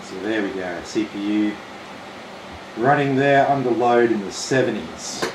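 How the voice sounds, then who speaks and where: A relaxed Australian man with a slightly croaky, lowish voice explains a computer build step by step in a chatty live-stream manner. His voice carries a roomy echo. A steady air-conditioning hum runs behind him. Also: unhurried. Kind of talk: casual live-stream walkthrough.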